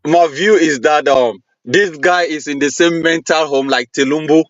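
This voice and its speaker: A man's voice: on the high side, moderate pace, no echo, lo-fi sound. A man from Cameroon, a guest in a heated debate, deflecting questions defensively. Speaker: panel guest.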